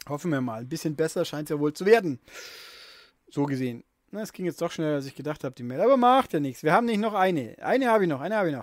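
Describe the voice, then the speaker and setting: A man with a Swabian accent talks at a very fast pace, his fairly high pitch making very wide swings. The recording is very clean with a silent background. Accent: Augsburg Swabian dialect. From Augsburg area, Bavarian Swabia, Germany. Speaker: gaming podcaster. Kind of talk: solo casual chat. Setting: home recording in own room.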